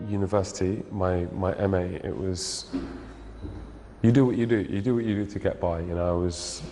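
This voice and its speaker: Man, 30s, painter, deep voice, reflective, music playing under the voice. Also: dark tone. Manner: thoughtful, searching for words. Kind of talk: reflective interview monologue. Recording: reverberant room with music underneath.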